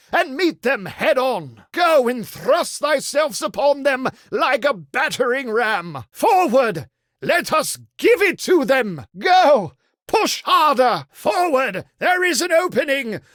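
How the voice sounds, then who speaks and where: High, swooping, pompous medieval knight. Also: fairly bright tone, no echo, clean studio sound, heavily acted. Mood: commanding, eager. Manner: pompous, florid, exaggeratedly courtly. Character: pompous, foppish knight impostor, flamboyant medieval soldier. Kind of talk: theatrical video game voice lines in mock-archaic English.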